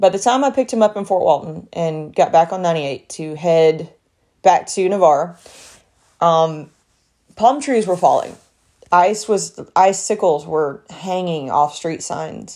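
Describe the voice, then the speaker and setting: On a very clean recording with a silent background, a woman with a fairly low pitch and a dark, mellow tone speaks at a fairly slow pace with lively intonation. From Tennessee. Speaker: podcast host. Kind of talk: solo podcast monologue. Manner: casual, chatty.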